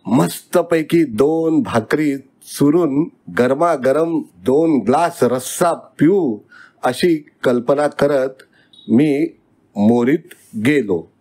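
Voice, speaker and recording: A man reading his own story aloud as narrator, slow and deliberate. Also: on the high side, a little mellow.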